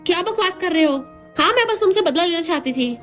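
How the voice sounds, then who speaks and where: Woman doing a flustered defensive young wife, very high voice, drama retelling. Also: lively intonation, quick pace, fairly bright tone, soft background music.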